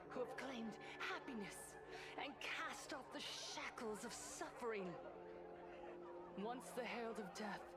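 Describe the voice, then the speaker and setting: Serene fervent cult lady from a game, preachy n theatrical, real slow, music blasting behind. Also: a little high. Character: serene, fervent female leader of a happiness cult. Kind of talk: video game dramatic speech.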